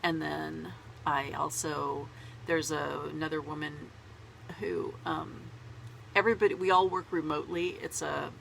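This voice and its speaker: A woman's voice: sits low, steady tone, a little slow, gravelly, a bit bright, slight background noise, rough recording. A woman with a cold, congested and sore-throated, chatting in a rambling way to camera as a knitting vlogger from a small closet at home. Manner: rambling and chatty, laughs at herself. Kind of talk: casual chat to camera.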